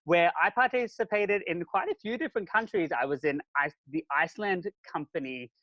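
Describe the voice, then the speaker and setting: A man's voice: high-pitched, brisk, dry recording, lo-fi sound. A man co-hosting a podcast in casual chat, upbeat and enthusiastic. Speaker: podcast co-host.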